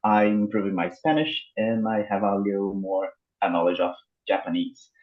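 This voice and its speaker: Brazilian guy on a video panel, english not his first language, lots of uh's and repeats, low voice. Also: steady tone, normal speed. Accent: Brazilian Portuguese. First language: Portuguese. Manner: hesitant, many fillers and repeats. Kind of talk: casual panel talk. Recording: roomy, dull video-call audio.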